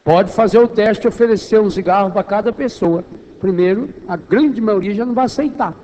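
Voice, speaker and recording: High-voiced Brazilian preacher in an echoing hall. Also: male voice, fairly quick, mellow. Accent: Brazilian Portuguese. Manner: emphatic, rhetorical questions, repeats phrases for weight. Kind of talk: charismatic sermon to a congregation. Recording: echoey hall, long reverberation.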